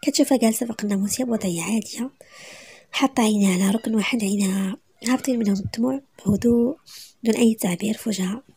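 A woman with a Moroccan Arabic accent narrating a dramatic story softly, often half-whispered. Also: mid-range voice, very fast, creaky, slightly rough, dry recording.

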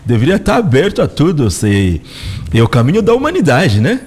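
A middle-aged man from Congo with a Congolese accent, giving measured, reflective answers as a guest in a radio studio. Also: fairly high pitch, wildly swooping pitch, darkish tone, husky. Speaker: representative of a spiritual organization, guest. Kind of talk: interview answers. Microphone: studio microphone close in front.

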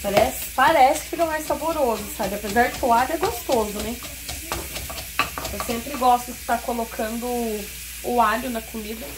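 A woman's voice: fairly high pitch, moderate pace, noisy background. Chatty Brazilian woman cooking by sizzling pans. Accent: Brazilian Portuguese. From Paraná, Brazil. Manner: chatty, keeps checking in with viewers. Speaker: home cooking vlogger. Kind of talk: casual step-by-step cooking narration. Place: home kitchen with wood stove. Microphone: phone camera. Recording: food sizzling in the background.

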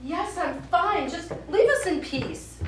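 A woman's voice: extremely high pitch, expressive, takes it slowly, heavily acted. A woman acting a frantic, worn-out ventriloquist with theatrical emotion in a live stage play. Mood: curt. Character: frantic, worn-out female ventriloquist unravelling before a show. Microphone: far camera. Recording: distant noisy echoey stage camera recording.

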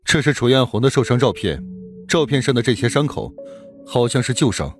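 A man's voice: medium pitch, lively intonation, brisk, soft background music, lightly acted. A man acting a male police detective in an audiobook, blunt and probing as he questions colleagues. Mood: frowning, observant.

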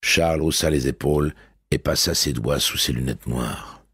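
A man reading a novel aloud as an audiobook narrator, in a measured, steady delivery. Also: a bass voice, breathy edge, dry recording, studio quality.

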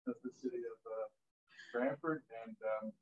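A man's voice: medium pitch, moderate pace, husky. A man talking casually and jokily in a meeting room. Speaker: city chief executive. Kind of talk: casual joking introduction. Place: boardroom, far from the mic. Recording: distant, muffled, very noisy room pickup.

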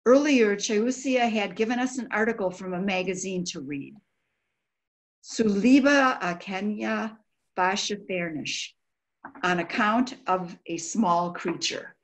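An older woman gives a dramatic, emotional, halting reading of a diary. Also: medium pitch, poor audio. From United States. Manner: emotional, halting, sighing delivery. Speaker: volunteer diary reader. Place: indoor room by a window.

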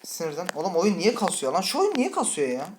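A woman playing a horror game and commenting with a Turkish accent, chatty and full of swearing, breaking into startled high shrieks. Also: wildly swooping pitch, fast talker, slight background noise. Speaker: gaming channel host. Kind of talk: let's play commentary. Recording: faint game music behind.

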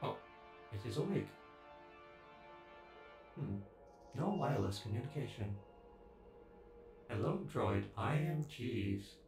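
A man's voice: medium pitch, lively intonation, takes it slowly, gravelly, long pauses. A man voicing a polite, servile robot butler in an ASMR roleplay, speaking formally and deferentially. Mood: polite, curious. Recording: echoey, with background music.

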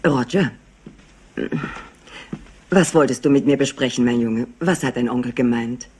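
An actress playing a worried, wealthy aunt in a German crime radio play, with a husky voice. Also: female voice, very deep voice, a little slow, darkish tone, slight background noise. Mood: wistful, worried.

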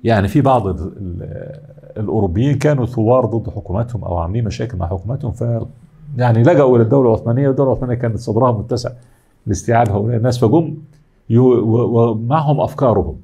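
A man's voice: medium pitch, rapid-fire, vocal fry, mellow, breathy edge. A middle-aged man with an Egyptian accent giving an academic lecture, explaining step by step and answering his own questions. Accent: Egyptian Arabic.

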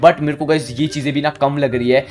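A young man giving excitable Minecraft gameplay commentary, with frequent sudden jumps in pitch. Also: a little fast. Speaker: gaming YouTuber. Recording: music bed behind the voice.

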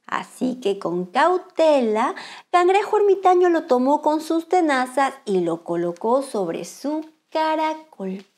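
Woman, children's storyteller, high voice, very lively intonation, bright sing-song read-aloud. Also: takes it slowly. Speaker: children's storyteller, channel host. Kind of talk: expressive read-aloud of a picture book for children.

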